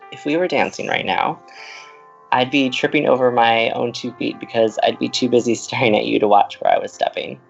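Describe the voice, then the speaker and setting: An actor playing an earnest, smitten young man who co-hosts college radio, speaking in a halting, tender, teasing way in an audio romantic comedy. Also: mid-range voice, fairly even intonation, gravelly, muffled recording, faint music behind, natural voice. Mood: playful, smitten. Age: young adult.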